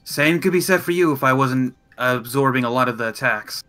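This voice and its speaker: Bright-toned, measured man playing tabletop. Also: mid-range voice, faint music behind. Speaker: tabletop roleplay player. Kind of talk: in-character game discussion.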